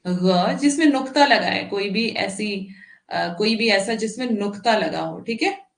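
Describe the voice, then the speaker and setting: A woman's voice: mid-range voice, a little slow, vocal fry, roomy sound. A woman teaching an online exam-prep lesson, explaining patiently and checking often that her students follow. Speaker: Hindi teacher.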